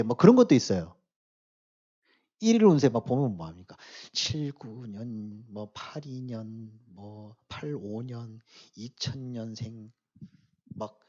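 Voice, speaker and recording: A man preaching to a church youth group, shifting between quiet asides and loud emphatic exhortation, often asking his listeners questions. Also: a little high, highs cut off. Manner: casual, speaks directly to the youth with questions. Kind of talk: sermon to teenagers.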